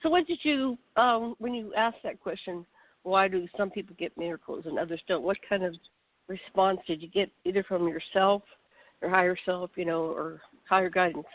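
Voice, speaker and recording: A woman's voice: lowish voice, normal speed. A woman from the northern United States hosting an online talk show, chatty and encouraging as she asks a guest questions. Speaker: host. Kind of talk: casual interview hosting. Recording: distant, phone-like call audio.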